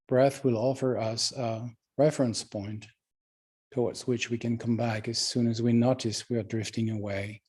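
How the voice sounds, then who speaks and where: A man leading a guided meditation as a teacher, speaking calmly and gently with unhurried pauses. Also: medium pitch, slightly rough.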